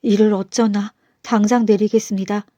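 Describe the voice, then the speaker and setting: A woman's voice: mid-range voice, little pitch movement, normal speed, mellow, no room sound, lightly acted. A woman voicing a proud male nobleman in a storybook folktale, haughty and scolding. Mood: pleading. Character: arrogant male Seoul nobleman, pompous then groveling.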